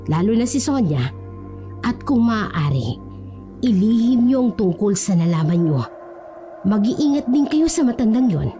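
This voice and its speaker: Brief: a woman doing a stern, steady older healer, mellow dark tone, faint music behind. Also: mid-range voice, natural voice. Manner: grave, instructing. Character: older village healer woman, calm and commanding.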